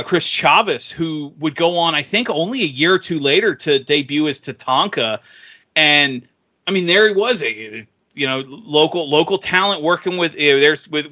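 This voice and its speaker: A man interviewing a guest in casual chat, halting and often restarting his sentences. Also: a little high, pushed and bright, dull audio.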